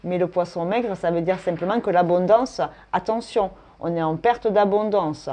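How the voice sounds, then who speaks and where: Chatty woman reading tarot, mellow voice. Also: lowish voice, moderate pace. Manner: chatty, thinks aloud, frequent tag "hein". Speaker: tarot reader. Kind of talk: casual tarot and astrology reading.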